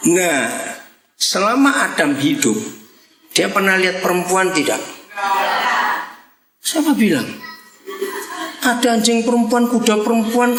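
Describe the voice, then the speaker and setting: An older man preaching a lively, joking sermon to a congregation, swinging between loud bursts and quiet asides. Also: sits high, echoey room.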